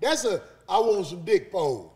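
High, animated man cracking crude jokes. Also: a little slow, slightly rough. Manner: profane, loud joking, animated. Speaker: podcast host. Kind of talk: crude comedic banter. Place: studio around a table.

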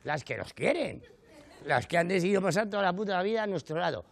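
The comedian talks fast in a high, expressive, creaky voice, a middle-aged man with a Canary Islands Spanish accent performing a monologue before a live studio audience. Indignant exaggeration drives his stories, along with frequent rhetorical asides to the crowd.

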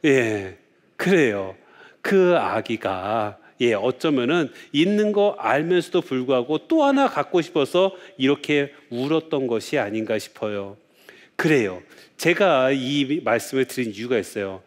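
Priest guy giving a talk, bouncy animated pitch, keeps saying yes and asking the crowd stuff. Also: measured pace. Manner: lively storytelling, frequent "yes" fillers, rhetorical questions. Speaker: Catholic priest giving a lecture. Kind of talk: lecture.

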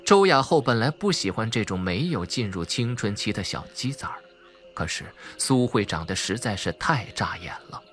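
A man's voice: on the low side, sing-song, normal speed, fairly bright tone. A man reading a novel as dramatic scripted narration. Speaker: audiobook narrator. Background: background music.

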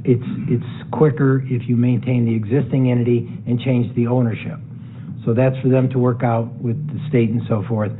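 A man's voice: medium pitch, little pitch movement, normal speed, slight background noise. A man advising a city council, explaining agenda matters in a conversational, explanatory way in a council chamber. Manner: conversational, explanatory, self-correcting. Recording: tinny, phone-like sound.

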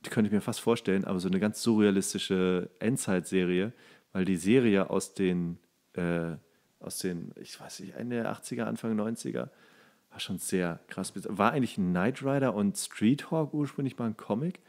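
A man's voice: lowish voice, moderate pace, darkish tone. A man co-hosting a podcast, chatting casually in a colloquial, enthusiastic way. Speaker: podcast co-host. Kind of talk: casual chat about films and series.

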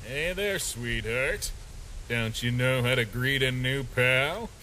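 A man as a sly, slow-drawling skeleton sentry. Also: mid-range voice, very noisy, lightly acted. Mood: sly teasing. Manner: drawling, smug pet names. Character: sly, teasing skeleton sentry monster with a gruff streak. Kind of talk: comic dub voice acting. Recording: music playing behind.

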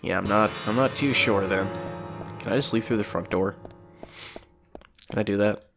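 Casual gamer guy, stuffy and sniffly, rambling chatter with a lowish voice. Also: moderate pace, vocal fry, music in the background. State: congested with a cold, sniffling. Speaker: gameplay commentator. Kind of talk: casual let's play commentary.

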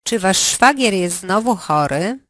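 A woman running a language lesson, giving slow, carefully articulated prompts for the learner to answer. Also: medium pitch, lively intonation, a bit bright, dry recording. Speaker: language teacher.

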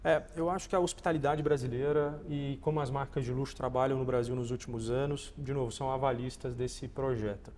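A man's voice: mid-range voice, steady tone, brisk, few pauses, a little mellow. Casting: Brazilian male executive in his forties, interview guest, polished conversational delivery, reverberant space with faint ambient noise. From Goiás, Brazil.

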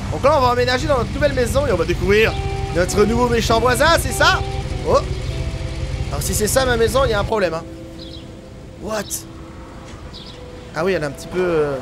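A man giving chatty, excitable let's-play commentary and laughing often over game music. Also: high-pitched. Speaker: gaming youtuber. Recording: game music playing behind.

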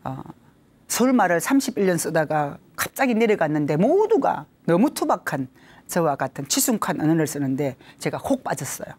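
A woman's voice: sits low, normal speed. A middle-aged woman with a Gyeongsang accent giving a laughter therapy lecture, leading counting exercises. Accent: Gyeongsang Korean. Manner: animated, leads counting drills with bursts of laughter. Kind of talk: lively lecture with group exercises.

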